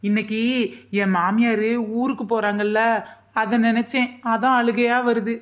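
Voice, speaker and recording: Cheeky cartoon daughter-in-law, a woman acting it, young, slightly high, sweet pleading excuses. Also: fairly even intonation, moderate pace, natural voice. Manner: pleading, innocent-sounding excuses.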